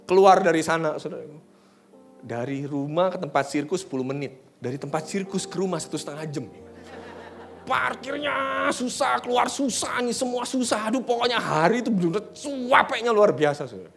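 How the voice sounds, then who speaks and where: A middle-aged male pastor preaching a sermon, telling a personal story in a humorous, conversational way, at times dropping to hushed tones. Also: on the high side, animated, quick pace, soft background music.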